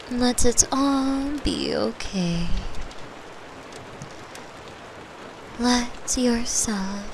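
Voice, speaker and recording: A woman voicing a gentle, lonely extra-dimensional being who comforts a human in an intimate ASMR roleplay, speaking softly and breathily, often dropping into a whisper. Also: medium pitch, background noise. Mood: affectionate, soothing. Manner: soft, breathy, often whispered, soothing and unhurried.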